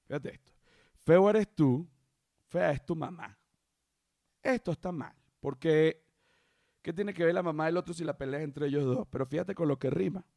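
A man's voice: on the high side, moderate pace, gravelly, pauses often, dark tone, no room sound, clean studio sound. A man hosting a podcast, joking and repeating phrases as he stops clips to comment. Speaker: podcast host. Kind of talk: casual reaction commentary. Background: music from played clips.

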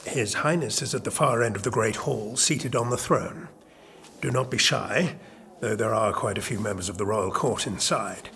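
An actor playing a formal, courteous royal chamberlain in a radio drama. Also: male voice, on the low side, normal speed, gravelly, fairly bright tone, slight background noise.

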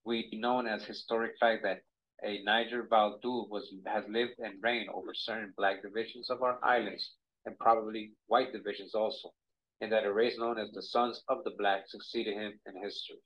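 Lower-voiced man reading from a book. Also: flat delivery, normal speed, fairly bright tone, low-quality recording. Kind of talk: reading passages aloud.

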